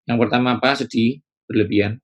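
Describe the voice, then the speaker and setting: A man preaching a sermon in a lively way, acting out the worried voices of ordinary people as examples. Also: medium pitch, brisk.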